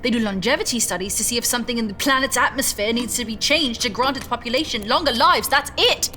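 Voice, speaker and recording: An actress playing a proud, skeptical scientist in a science fiction audio drama, dry and exasperated in manner. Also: female voice, on the high side, fast, pushed and bright, soft background music. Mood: dismissive. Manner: dry, exasperated, matter-of-fact.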